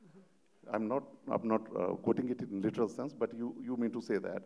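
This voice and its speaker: A man interviewing an author on a festival stage, halting and repeating words as he asks long questions. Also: lowish voice, fairly even intonation, vocal fry, dark tone, muffled recording. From Madhes, Nepal. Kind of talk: literary panel interview.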